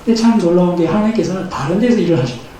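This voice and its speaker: A man's voice: sits high, racing, mellow. A man in his fifties preaching a sermon as pastor, earnest and building emphasis as he speaks. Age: 50s. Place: church sanctuary. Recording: echoey church hall, mic at a distance, faint noise.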